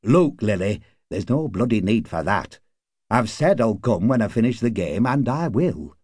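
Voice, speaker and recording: A man's voice: lowish voice, sing-song, moderate pace, a little mellow, husky, no room sound, clean studio sound. A man voicing an irritable, cynical working-class card player in an audiobook, grumbling in colloquial, sweary speech. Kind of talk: audiobook character acting.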